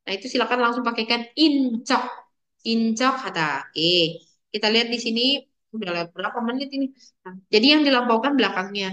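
A young woman teaches a language class online, with a voice a little higher than most women's. She is chatty and playful and keeps calling on her students by name as she explains the grammar. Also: fast, fairly bright tone.

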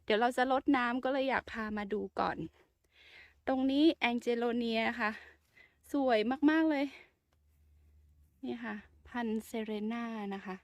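Touring her garden at home for a casual vlog, a soft-spoken woman chats politely about her plants, using lots of particles. She talks slowly in a fairly high voice and pauses often, with no room sound.

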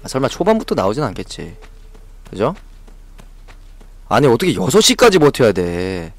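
A man's voice: medium pitch, huge pitch swings, normal speed. Jumpy, swearing Korean game streamer man. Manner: jumpy, swearing, frantic reactions to scares. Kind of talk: live horror game commentary.

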